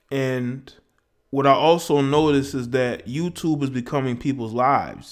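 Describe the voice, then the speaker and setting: In a Southern US accent, a man speaks at medium pitch and a moderate pace with ordinary pitch variation, on a very clean recording with a silent background. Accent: Southern way of talking. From US South. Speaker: YouTube livestreamer. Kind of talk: live stream chat. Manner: unscripted, off the cuff; repetitive filler, verbal stumbles.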